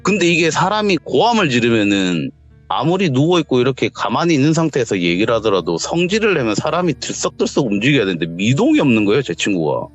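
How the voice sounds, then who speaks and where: A man calling in to tell a true ghost story, animated and acting out the quotes as he goes. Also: mid-range voice, fast, muffled recording, soft background music. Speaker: caller telling a viewer's story. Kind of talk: telling a true ghost story on a call-in radio show. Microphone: voice call.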